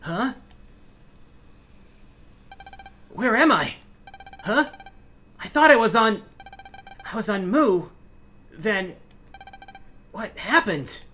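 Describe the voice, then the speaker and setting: Woman voicing an earnest, bright-voiced young boy hero. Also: medium pitch, very animated, slow pace, long pauses, a little hiss or hum. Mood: confused. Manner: soft-hearted, sincere, hesitant.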